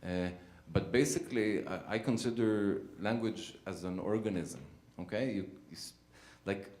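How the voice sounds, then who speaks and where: Halting man in a roomy theater. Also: fairly low pitch, a little mellow. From Israel. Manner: halting, searching for words with many fillers. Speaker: playwright. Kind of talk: post-show talkback answers. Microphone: handheld microphone.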